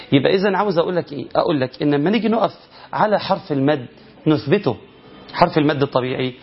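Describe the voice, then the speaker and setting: A man with an Egyptian accent teaching Quran recitation, asking rhetorical questions and chanting drawn-out verses to show the rules. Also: a little high, husky. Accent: Egyptian Arabic. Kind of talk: recitation lesson. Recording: lo-fi muffled recording.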